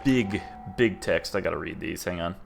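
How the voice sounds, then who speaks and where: A young man with a fairly low voice talks through his game in a flat, laid-back monotone, as if chatting to himself. He speaks into a desk mic. A faint background ambience hangs behind him. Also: moderate pace, vocal fry, a little hiss or hum. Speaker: game streamer. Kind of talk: casual gameplay commentary.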